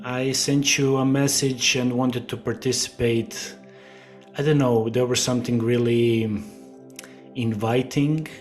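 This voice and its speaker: Man, middle-aged, from Croatia, slow halting speech, flat low voice, faint music behind. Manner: slow and hesitant, many fillers and restarts. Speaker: guest. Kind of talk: casual interview talk.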